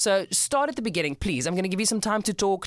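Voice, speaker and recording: A woman speaking in a South African accent, with ordinary pitch variation. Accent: Afrikaans South African English. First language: Afrikaans. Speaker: podcast host. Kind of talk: interview. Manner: blunt, direct.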